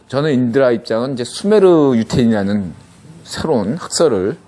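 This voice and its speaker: A man's voice: mid-range voice, mellow. A middle-aged man hosting a podcast, explaining a topic in a casual monologue, often breaking off and checking in with listeners. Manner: conversational, many restarts and rhetorical checks like "예?". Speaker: podcast host.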